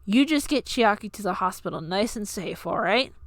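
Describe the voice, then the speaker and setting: A woman's voice: medium pitch, expressive, normal speed, no echo, natural voice. A woman voicing a hearty, blunt young man who gets flustered easily, in a story reading.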